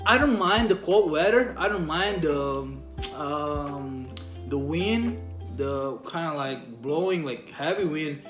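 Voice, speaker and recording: A man's voice: a little high, lively intonation, slow pace, echoey room, music in the background. A young man, a study abroad student chatting animatedly and laughing often in a casual Q&A. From Indonesia. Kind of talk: casual Q&A chat.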